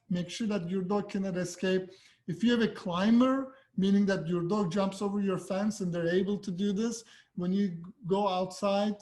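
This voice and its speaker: Man, high voice, dog trainer, casual and direct. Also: a little mellow. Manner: friendly, direct, loose and conversational. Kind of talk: casual tips video.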